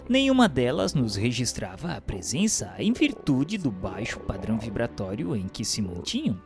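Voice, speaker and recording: A man narrating a radio serial in scripted literary first person, with formal, measured delivery. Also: medium pitch. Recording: music bed behind the voice.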